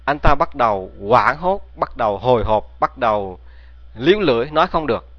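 A man's voice: mid-range voice, expressive, normal speed, no room sound. A man narrating a folk tale, often turning to his listeners with rhetorical questions, in a dull lo-fi recording. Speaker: storyteller.

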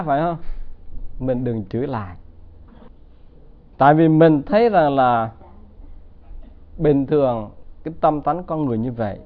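A man giving a Buddhist dharma talk, telling stories and often asking the audience to agree. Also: on the high side. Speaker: Buddhist teacher. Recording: tinny phone-like sound.

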